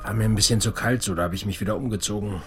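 A man acting a middle-aged bartender with a very low voice, over clearly audible music. He is laconic and gently caring, a quiet philosopher in an intimate radio drama. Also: very fast, lightly acted. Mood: unruffled.

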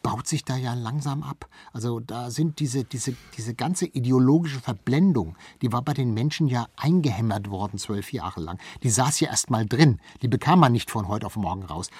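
A man's voice: mid-range voice, darkish tone, breathy edge, no room sound. A man speaking as an expert guest in a conversational interview, explaining and repeating words for emphasis.

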